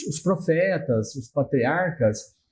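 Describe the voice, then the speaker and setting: A dark, mellow tone marks the man's voice, which is somewhat breathy. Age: 60s. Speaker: church member. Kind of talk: Bible study panel discussion. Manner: halting.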